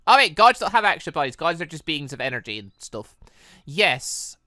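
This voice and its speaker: A young adult gaming host giving excitable, exasperated let's play commentary while reading visual novel dialogue aloud. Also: medium pitch, normal speed, dry recording, studio quality. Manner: excitable, exasperated reactions between read lines.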